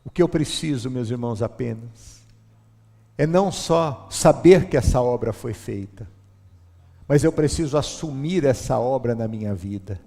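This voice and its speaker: A male pastor preaching a sermon, urging his congregation and swinging from loud to soft. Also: mid-range voice, moderate pace, in a large hall.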